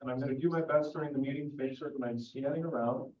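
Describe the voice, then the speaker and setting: A man acting as mayor, opening a public council meeting. He talks slowly and projects his voice without yelling, with no microphone in a meeting room. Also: mid-range voice, steady tone. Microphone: no microphone, picked up from a distance. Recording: echoey, distant, dull sound.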